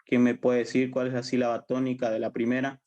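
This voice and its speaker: A Bolivian man leads a university language class in a mid-pitched voice. He explains step by step and repeats his points. He keeps asking the students whether it is clear. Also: monotone, fairly quick, a little mellow, muffled recording. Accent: Bolivian Spanish. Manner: patient, repetitive, checks understanding often. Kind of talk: online class lecture.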